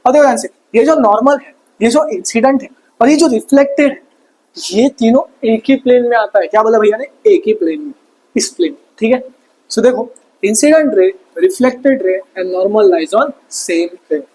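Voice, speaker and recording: A man's voice: very high voice, animated, moderate pace, mellow, breathy edge, poor audio. Indian guy teaching a revision class, jokey, keeps quizzing the students and calls himself bhaiya. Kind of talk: exam revision lesson.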